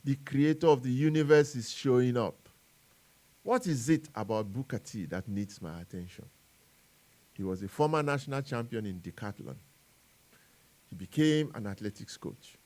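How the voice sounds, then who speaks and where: A man with a Nigerian accent reads a scripted sports editorial as a radio columnist, phrasing it deliberately and emphatically with dramatic pauses. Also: mid-range voice, expressive, dark tone.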